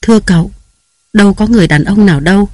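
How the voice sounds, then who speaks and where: A man's voice: sits high, quick pace, a little mellow, no room sound. A man reading aloud who voices a timid old woman servant, humble and beseeching.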